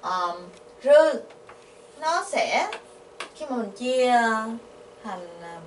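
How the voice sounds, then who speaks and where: A woman's voice: on the high side, very animated. Vietnamese-accented woman, patient grammar teacher, roomy distant sound with faint hiss. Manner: patient, asks the class questions, repeats syllables slowly. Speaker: Korean language teacher. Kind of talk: explaining grammar. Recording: echoey, from a distance, faint noise.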